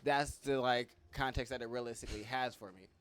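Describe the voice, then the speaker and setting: Male podcast co-host, thoughtful and measured, mid-range voice. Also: medium pitch, steady tone, fairly bright tone, clear, resonant tone. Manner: reflective, measured, explains his view. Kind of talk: casual chat.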